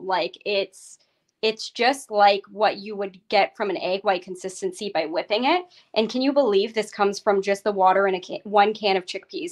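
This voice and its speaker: Bubbly young woman, distant kitchen mic. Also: mid-range voice. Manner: bubbly, chatty, many "like" fillers. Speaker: cookbook author demonstrating a recipe. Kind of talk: live cooking demo. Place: home kitchen, indoors. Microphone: video call webcam at a distance.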